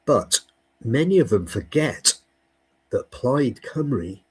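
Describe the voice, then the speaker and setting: A man's voice: mid-range voice, big pitch swings, takes it slowly, breathy edge, low-quality recording. A Welsh man speaking as a guest in a political discussion, emphatic and often stumbling over repeated words. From Wales. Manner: emphatic, with frequent stumbling repetitions. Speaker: guest commentator.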